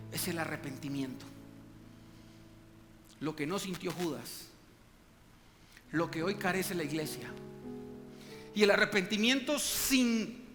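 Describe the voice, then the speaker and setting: A middle-aged male pastor, preaching a sermon in a church with emphatic rises and hushed drops. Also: sits high. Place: church hall. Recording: long church reverb with music beneath. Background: soft instrumental music.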